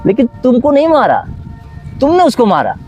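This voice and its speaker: A man's voice: very high-pitched, wildly swooping pitch, moderate pace, a little mellow, dull audio, faint music behind. A man who teaches dance, talking philosophically in an outdoor conversation and acting out little scenes in other voices. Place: outdoors under a tree.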